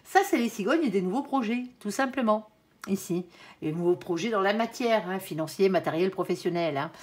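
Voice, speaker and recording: A woman's voice: medium pitch, lively intonation, fairly quick. A woman giving a casual tarot reading to her viewers. She talks in a loose, colloquial way, fills her speech with little tag words, and thinks aloud and corrects herself as she turns over cards. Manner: chatty, colloquial, full of "hein" and "euh" fillers, addresses the viewer as "mon ange"; thinks aloud while turning cards, with self-corrections and laughs. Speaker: tarot reader.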